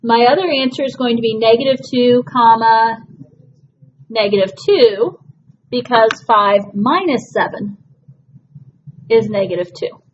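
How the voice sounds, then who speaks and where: A woman's voice: a little high, measured pace, long pauses. A woman math teacher working through a problem step by step, patient and reassuring with her class. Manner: patient, reassuring, walks through steps aloud. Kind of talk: classroom lesson. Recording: dull lo-fi classroom recording with faint hiss.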